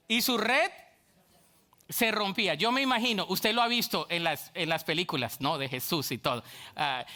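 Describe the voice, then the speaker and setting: Pastor guy, high bright voice, really animated preaching, does little voices of church folks. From Colombia. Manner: lively preaching, acts out voices of church people. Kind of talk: sermon.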